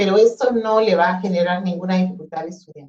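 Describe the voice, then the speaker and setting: A woman talks at a very fast pace. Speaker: education official. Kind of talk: webinar presentation.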